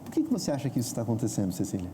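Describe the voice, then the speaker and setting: A Brazilian host with a mid-range, very mellow, dark voice moderates a studio talk show. The host nudges guests along with questions and steady "uhum"s. Faint noise hums behind the voice. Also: medium pitch, racing. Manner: encouraging, frequent backchannel "uhum", questioning.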